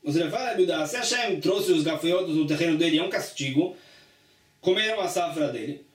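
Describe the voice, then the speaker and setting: A man with a high voice teaches a religious study lesson. He reads a passage, then explains it in plain, repetitive steps. He is recorded from a distance in an echoey room. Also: animated, fast talker. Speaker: Talmud teacher.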